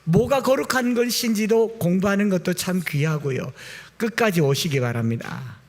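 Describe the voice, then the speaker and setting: A male pastor preaching a Sunday sermon, swinging between loud exclamations and quiet, low asides. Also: moderate pace.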